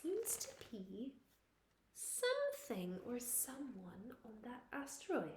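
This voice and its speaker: A woman reads a children's picture book aloud like a teacher at storytime, expressive and playful. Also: on the high side, takes it slowly, echoey room, a little hiss or hum. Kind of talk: animated children's storytime reading.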